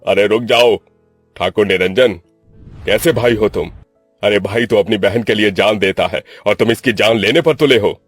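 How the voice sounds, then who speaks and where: A man doing a calm village elder. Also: lowish voice, normal speed, no echo, soft background music, close to an everyday voice. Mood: reasoning. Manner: calm, reasoning.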